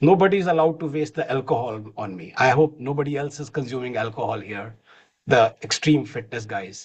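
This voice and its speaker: Talking at a fairly quick pace, a man with a medium pitch sounds somewhat breathy, his lively intonation paired with big swings in loudness. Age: 60s. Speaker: doctor cyclist. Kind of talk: panel discussion.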